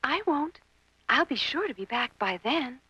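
A timid, sweet storybook girl, extremely high and bright, with hesitant, wide-eyed delivery. Her words come slowly in a children's audio tale with a slightly muffled sound. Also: lively intonation, breathy edge, no room sound, heavily acted. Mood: eager. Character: Cinderella, timid sweet-natured girl, easily awed. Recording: dull lo-fi audio with faint music.

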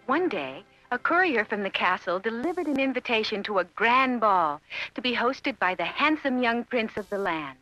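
A woman narrating a children's fairy tale from a script in an expressive, measured storybook manner. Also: fairly high pitch. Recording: dull lo-fi audio, music behind.

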